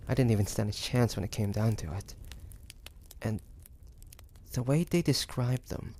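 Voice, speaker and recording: Guy playing a suspicious old-time demon hunter in an audio roleplay, slow and gravelly, stubborn, kinda halting. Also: lowish voice, a little mellow. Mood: grudgingly convinced. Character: wary, stubborn male demon hunter of the 1850s. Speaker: voice actor. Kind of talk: dramatic roleplay audio acting.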